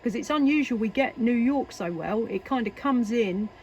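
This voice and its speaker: A woman's voice: fairly high pitch, animated, moderate pace, a little mellow, highs cut off. English woman chatting over noisy static. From England. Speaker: CB radio operator and video maker. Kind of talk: casual radio chat. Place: workshop at home. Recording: noisy, radio static and hiss.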